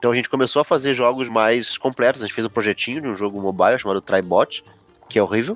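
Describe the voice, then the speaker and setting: Over music in the background, a man speaks at a very fast pace and a medium pitch, the sound dry and close with no echo. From Rio de Janeiro, Brazil. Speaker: game developer. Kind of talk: casual podcast chat.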